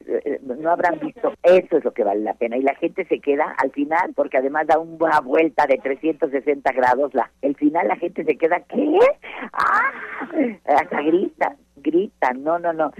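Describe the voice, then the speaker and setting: A Mexican woman, a stage actress, speaks in a casual interview with bubbling enthusiasm. She keeps doubling back on her words and dropping quick "no, no, no" asides. The sound is dry and dull, like a lo-fi line. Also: sits low, dry recording. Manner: effusive, repeats words, many "no, no, no" asides.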